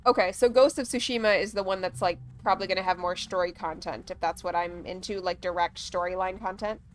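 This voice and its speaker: A woman's voice: on the low side, fairly even intonation, brisk, soft background music. A woman chatting casually on a gaming livestream, rambling along with plenty of "like" and "um". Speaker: streamer.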